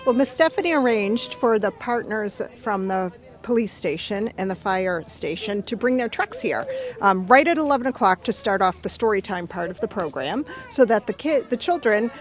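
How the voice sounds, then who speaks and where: Woman, average pitch, informal interview, explaining a local event, speaking outdoors. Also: animated, moderate pace. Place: outdoors by parked trucks.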